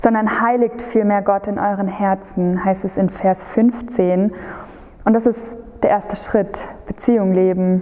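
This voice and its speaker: There is noticeable background noise. The intonation stays fairly even. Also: woman. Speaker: preacher. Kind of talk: sermon. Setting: recorded video sermon.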